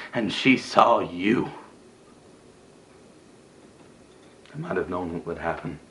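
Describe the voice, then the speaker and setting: A man performing a dramatic stage monologue as a bitter, jealous elder brother, sarcastic and emotional, moving between hushed delivery and outbursts. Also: lowish voice, slight background noise.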